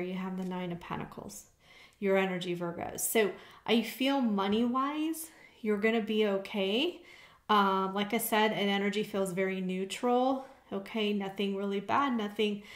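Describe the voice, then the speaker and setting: A woman of middling pitch reads tarot cards for her viewers. She talks casually and keeps checking in with little "okay?" asides. Her voice rings a bit in an echoey room. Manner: conversational, frequent "okay?" check-ins. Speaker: tarot reader. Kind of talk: tarot reading to camera.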